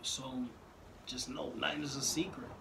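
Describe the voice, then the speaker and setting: A man's voice: medium pitch, little pitch movement, moderate pace, vocal fry, bright, forceful tone, a little hiss or hum. Slangy man giving casual advice. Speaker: guest. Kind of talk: casual chat.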